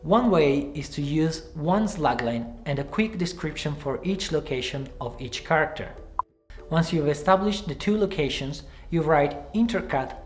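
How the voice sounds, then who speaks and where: A man in his thirties presenting a scripted screenwriting tutorial to camera from a small room, speaking in a clear, measured way. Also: on the high side, animated, soft background music. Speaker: screenwriting teacher. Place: small room with cards pinned on the wall.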